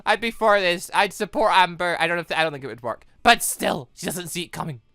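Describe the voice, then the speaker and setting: A woman giving excitable video game commentary as a let's play host, reacting out loud with exclamations. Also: on the low side, fast, no room sound.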